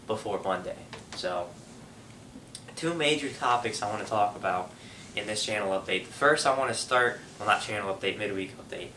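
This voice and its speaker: A man's voice: lowish voice, bright, forceful tone, a little hiss or hum. A young man with a stuffy nose from a cold, hosting a casual gaming vlog update with lots of fillers and restarts. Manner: rambling, frequent fillers and restarts. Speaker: gaming channel host. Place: room at his family home. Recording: echoey room, mic at a distance.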